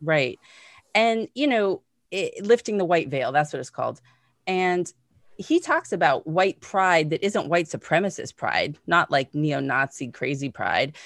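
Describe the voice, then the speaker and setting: A woman with an American accent speaks at a fairly slow pace in an unremarkable speaking voice, pitched fairly low. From United States. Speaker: podcast host and social justice educator. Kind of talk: interview conversation. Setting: video call.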